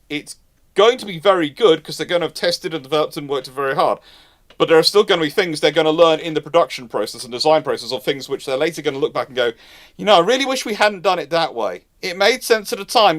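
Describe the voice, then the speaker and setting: A man hosting a live talk, explaining things off the cuff in an animated, emphatic way, often rephrasing mid-sentence. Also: on the high side. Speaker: host of naval history live Q&A. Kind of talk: off-the-cuff explanatory commentary, answering listener questions.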